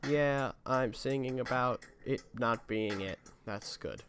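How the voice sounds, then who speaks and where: A man's voice: medium pitch, slow, fairly bright tone, slight background noise. A young man casually commenting while playing a game, rambling and chatty. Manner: rambling and chatty, reads game dialogue aloud. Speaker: let's play gamer.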